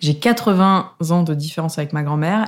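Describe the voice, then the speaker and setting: A normal speaking voice from a woman at fairly low pitch, moderate pace and ordinary pitch variation, on a very clean recording with a silent background. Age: 30s. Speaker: interviewee. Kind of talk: testimony.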